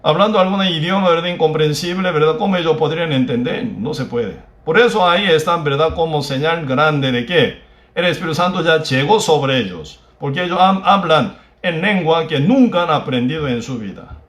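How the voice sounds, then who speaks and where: A man's voice: on the high side, fairly bright tone. Korean-accented man preaching, echoey hall. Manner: peppers phrases with tag questions; halting, broken phrasing. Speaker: pastor. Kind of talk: sermon. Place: church.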